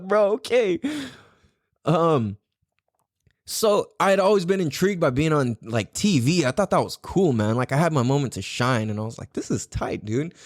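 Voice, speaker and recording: A young adult man hosts a podcast alone and tells a rambling story full of swearing. His voice sits a little high and leaps up and down with lively energy. The sound is dry and close, with no room around it. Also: no echo. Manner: animated, profane, rambling. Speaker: podcast host. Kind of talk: casual solo storytelling.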